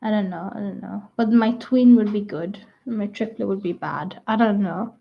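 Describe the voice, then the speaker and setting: A young adult woman rambling casually to her viewers, full of "like" and restarts, her voice croaky at times. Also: mid-range voice, normal speed. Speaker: vlogger. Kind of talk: rambling casual chat to camera. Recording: dull lo-fi sound.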